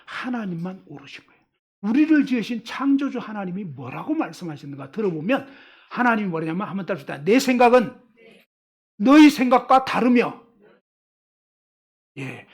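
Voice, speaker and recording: A woman's voice: fairly high pitch, breathy edge. A woman preaching a sermon, asking the congregation questions and acting out quoted lines. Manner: animated, asks the audience questions, acts out quotes.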